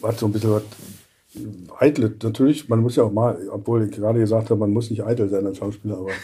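A man in his sixties, a voice actor chatting as a guest in an interview and telling stories lively, acting out little scenes. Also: fairly low pitch, quick pace, slightly rough. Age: 60s. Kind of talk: casual interview chat.

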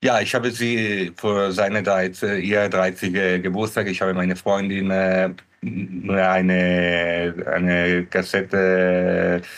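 A man of about thirty speaks with a foreign accent in a low, slow, fairly flat voice. He is a non-native speaker chatting casually, halting as he searches for words. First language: not German. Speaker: podcast guest. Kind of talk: casual chat.

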